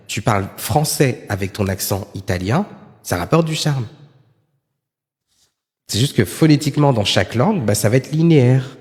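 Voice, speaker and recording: A man's voice: on the low side, darkish tone, in a large hall. A man streaming live, commenting on videos and chatting with viewers in a sarcastic, rambling way with lots of fillers.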